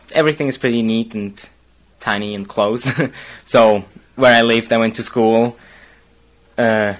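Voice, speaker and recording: A man's voice: on the low side, fairly bright tone, low-quality recording. A young man from Basel with a Swiss German accent, whose first language is German. He reads a short passage and then talks casually, hesitating often and chuckling between phrases. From Basel, Switzerland. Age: young adult. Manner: hesitant, frequent pauses and fillers. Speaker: university student.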